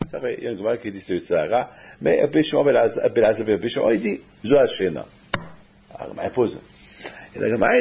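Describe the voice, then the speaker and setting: Animated preacher man, dull lo-fi recording. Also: slight background noise. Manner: animated, rising to high exclamations then dropping low. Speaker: rabbi. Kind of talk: sermon.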